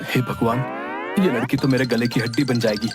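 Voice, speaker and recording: A fretful young cartoon husband, voiced by a man, complaining in quick bursts. Loud background music plays behind him. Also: medium pitch, steady tone, natural voice. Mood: exasperated.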